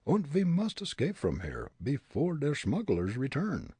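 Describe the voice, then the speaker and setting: A man's voice: medium pitch, huge pitch swings, unhurried, mellow, slightly rough, no echo, pitched above the performer's own voice, exaggerated voice. A man voicing a scheming male detective with a thick German accent and broken English.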